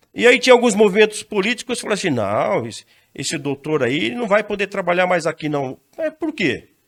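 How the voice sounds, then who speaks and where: Very wide pitch swings at a fairly quick pace. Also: man, high pitch for a man, very clean recording, silent background. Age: 60s. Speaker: mayor and physician. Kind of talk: interview. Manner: halting, with false starts.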